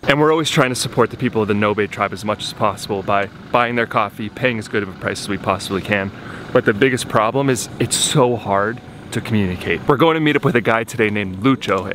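A young man and native English speaker, a vlogger who founded a coffee company, talks earnestly straight into a camera held at arm's length for a casual vlog. He films on a rural road outdoors, in a car, and then in a village. His voice runs lowish, with slight background noise.

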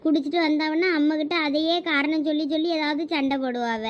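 A woman's voice: sits high, steady tone, quick pace, muffled recording, natural voice. A woman with a Thoothukudi Tamil accent playing a young college girl who nervously scolds her friend. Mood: fretful. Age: young adult. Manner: scolding, worried. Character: anxious college girl scared of her father. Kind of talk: village comedy skit acting.

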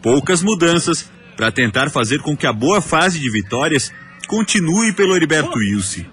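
Male reporter, fairly high voice, formal read, soft music behind. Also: big pitch swings, normal speed. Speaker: sports reporter. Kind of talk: scripted news narration. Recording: voice-over with faint music.

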